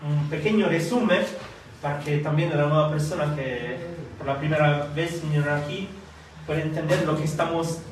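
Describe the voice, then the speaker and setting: Preacher in a big echoey hall. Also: male voice, a little high, steady tone, far from the mic, a little hiss or hum. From Italy. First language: Italian or Filipino language. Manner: halting, many fillers and restarts. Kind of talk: sermon and prayer. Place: church hall.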